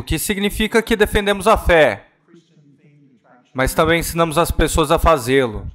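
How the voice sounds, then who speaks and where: A man interprets a ministry talk at a church conference in an earnest, measured way, now and then correcting himself mid-word. His voice is fairly high-pitched with a fairly bright tone.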